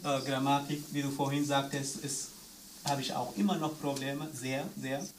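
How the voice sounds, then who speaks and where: A man's voice: medium pitch, level tone, moderate pace. A man from Eritrea, whose first language is an Eritrean language, earnestly telling of raising his son while searching for words. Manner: earnest, searching for words in non-native German. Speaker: discussion participant, father. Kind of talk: personal account in a discussion round. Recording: distant mic with faint room noise.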